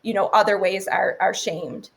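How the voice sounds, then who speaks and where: Woman in her forties, gravelly voice. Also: mid-range voice, fairly even intonation. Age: 40s. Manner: thoughtful, measured, "you know" fillers. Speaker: podcast guest, researcher. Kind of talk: casual podcast conversation.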